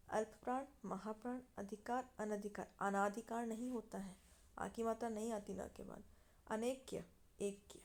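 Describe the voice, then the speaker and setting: A woman's voice: on the high side, warm tone. A woman teacher reading out pairs of opposite words for an exam-prep lesson, adding short explanations. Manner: reads word pairs in a list, with short explanations.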